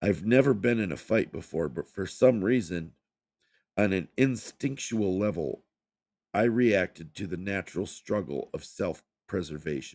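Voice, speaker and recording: A man's raspy, put-on character voice with lively intonation, a fairly low pitch and a moderate pace. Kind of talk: horror narration. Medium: read story. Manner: casual, profane.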